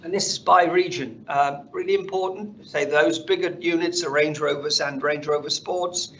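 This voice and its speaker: A man speaking as a company finance executive, presenting slides on an earnings call in a measured corporate delivery. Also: a little high, fairly even intonation, a bit bright. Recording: dull conference call audio, faint noise.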